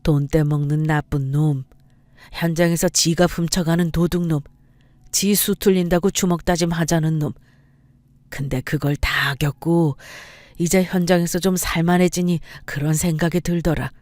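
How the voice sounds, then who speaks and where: A woman voicing the ghost of a gentle, regretful father, speaking slowly and tenderly in a storybook tale. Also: low-pitched, steady tone, no room sound, close to an everyday voice. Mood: earnest.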